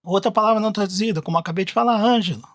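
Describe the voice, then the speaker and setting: A Bible teacher with a Brazilian Portuguese accent walks through slides in a recorded lesson, thinking aloud and tossing in frequent "né?" as sentences restart. The voice sits at a middling pitch. The sound is dry and close, with no room echo. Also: very fast.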